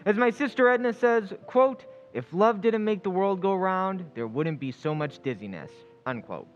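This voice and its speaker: Male actor as good-natured radio-play sidekick, folksy, high voice with swooping intonation. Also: animated, normal speed, lo-fi sound. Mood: amused, musing. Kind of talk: 1940s radio drama acting.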